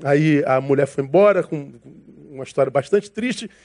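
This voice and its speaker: A man delivers a sermon as a pastor, in a notably high voice. He keeps it casual and slangy and addresses the congregation as brother. He acts out conversations from his anecdotes. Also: moderate pace, darkish tone. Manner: casual, slangy preaching that calls listeners brother; acts out dialogue from his stories.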